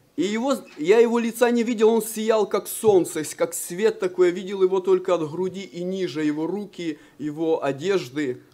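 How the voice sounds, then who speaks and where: Though his pitch is high, this man has a dark, mellow tone and keeps a moderate pace. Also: ordinary pitch variation. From Ukraine, village. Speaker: visiting preacher. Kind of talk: testimony. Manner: halting, in short phrases for interpreter.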